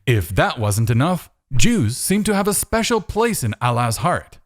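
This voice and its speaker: A male video host gives scripted commentary at a middling pitch. His intonation moves around a lot, rising and dropping as he poses pointed rhetorical questions. The delivery is sarcastic and argumentative. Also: big pitch swings, unhurried.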